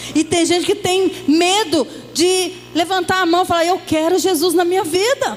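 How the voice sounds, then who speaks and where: A woman talks at a fairly slow pace in an animated tone. Noticeable background noise runs behind her. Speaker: bishop and senior pastor. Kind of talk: sermon. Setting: church.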